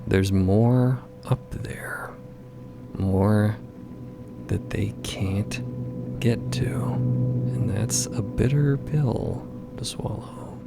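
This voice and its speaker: A man's voice: lowish voice, very slow, creaky, pauses often, whispered. A man giving dramatic scripted narration for a fiction podcast. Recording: voice over prominent music. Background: music.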